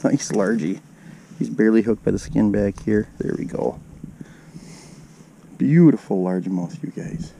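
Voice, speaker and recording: Out on a frozen lake, a man chats to "you guys" as he narrates his ice fishing, wearing an action camera that catches wind noise. His voice is fairly low, mellow, and creaky, and he takes his time with frequent pauses.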